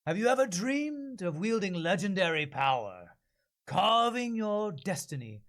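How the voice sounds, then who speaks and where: Heroic fantasy game announcer, acted by a man, grand, pompous, excited, higher-pitched, dramatic swings. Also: unhurried, exaggerated voice. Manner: pompous, sweeping, theatrical delivery. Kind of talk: dramatic video game trailer narration.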